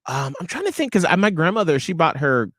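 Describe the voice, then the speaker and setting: Guy in his 30s, radio cohost, teasing and playful, pitch bouncing around, dry close sound. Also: fairly quick, no room sound. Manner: playful, teasing, lively delivery. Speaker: radio show co-host. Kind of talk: casual chat.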